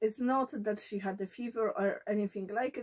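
Her voice sits fairly high. This woman also sounds somewhat breathy. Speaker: sewing vlogger. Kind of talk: casual talk to camera.

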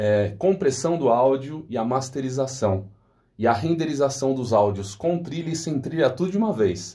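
Over a quiet background, a man speaks with a dark, mellow tone that is somewhat breathy. His intonation is lively and his pace moderate. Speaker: professional voice-over artist, voice actor and voice coach. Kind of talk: casual talk to camera explaining his work process. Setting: home recording studio. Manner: friendly, conversational. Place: booth.

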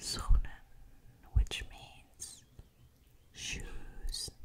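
Every word comes out in a whisper. The delivery is very slow. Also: woman. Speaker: ASMR creator. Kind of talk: ASMR trigger words repeated in a whisper. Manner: whispered, soft. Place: home room. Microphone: studio mic.

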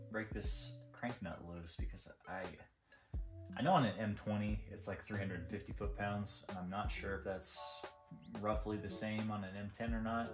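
A man speaks at a fairly low pitch. Clear music plays in the background. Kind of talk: casual tutorial commentary. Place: garage. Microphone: camera far.

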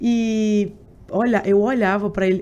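Her voice sits at a fairly high pitch for a woman. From Patos, Paraíba sertão, Brazil; Paraíba, Brazil. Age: young. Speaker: sertanejo singer; guest. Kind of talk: casual interview chat. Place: studio. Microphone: studio mic.

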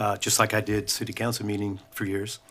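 At a fairly quick pace, a man talks in a medium pitch. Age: 60s. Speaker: political candidate. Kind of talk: candidate interview. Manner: halting, many fillers.

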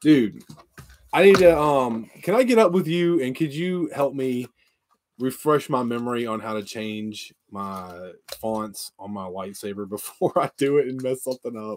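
With light background noise behind him, a man speaks at a moderate pace, his loudness swinging widely and his intonation lively. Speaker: YouTube channel co-host. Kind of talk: casual live stream chat while painting. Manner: jokey, laughs often. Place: home room.

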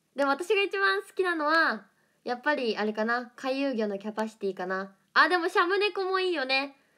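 Her pitch sitting high, a woman talks with very wide swings up and down. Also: moderate pace. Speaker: idol group member doing a live stream. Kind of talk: casual chat stream with Q&A. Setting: online live stream. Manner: relaxed, laughing often.

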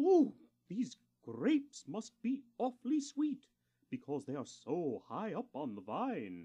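A man does a cartoonish character voice. He speaks at a high pitch and a fairly slow pace. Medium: puppet. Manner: theatrical, excitable.

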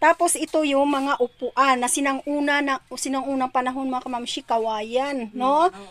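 A woman speaks at a high pitch and a moderate pace. Her intonation stays fairly even, with hardly any pauses. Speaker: vlogger. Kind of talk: casual vlog narration to camera. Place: home room. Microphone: phone near.

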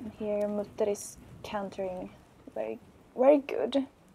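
A woman with a Finnish accent speaks in a fairly high pitch, her tone dark and mellow, with ordinary pitch variation. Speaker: dressage rider. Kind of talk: video voice-over narration.

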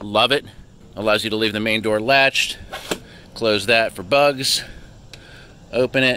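An unremarkable speaking voice at a moderate pace, dry sound with no echo, light background noise. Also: man. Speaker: RV renter reviewer. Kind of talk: tutorial walk-through. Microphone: phone near.

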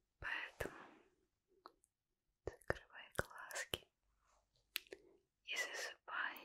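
A woman whispering in a soothing tone at a very slow pace. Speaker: ASMR host. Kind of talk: soft bedtime story narration. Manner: soothing bedtime whisper. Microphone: studio mic.

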